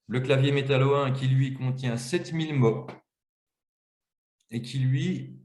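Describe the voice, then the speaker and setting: Man, webinar demo, step-by-step explaining, echoey room. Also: mid-range voice. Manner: explanatory, walks through screens step by step. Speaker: webinar presenter. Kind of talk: webinar software demonstration. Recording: roomy, echoey webinar audio.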